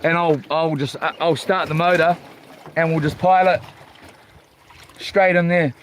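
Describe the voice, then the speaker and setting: A man with a notably high-pitched voice and a broad New Zealand accent talks in a loose, rambling way. He sounds like a casual livestream host, hesitant and informal. The recording is outdoors on a boat, with faint water and boat noise behind him. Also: steady tone, a little slow. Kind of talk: casual live vlog chat. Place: outdoors on a small boat at sea.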